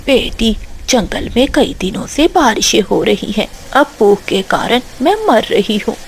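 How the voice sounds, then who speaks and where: A woman's voice: a little high, animated, a little slow, slight background noise. A woman voicing a hungry, weary old mother crow in a cartoon. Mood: pleading. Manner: tired, pleading.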